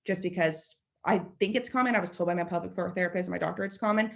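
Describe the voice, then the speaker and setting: A woman in her late twenties, a podcast guest, telling a story in a chatty, animated way and filling her speech with "like.". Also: fairly low pitch, fast, vocal fry. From United States. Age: 20s. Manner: chatty, animated, lots of "like" fillers. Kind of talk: casual storytelling.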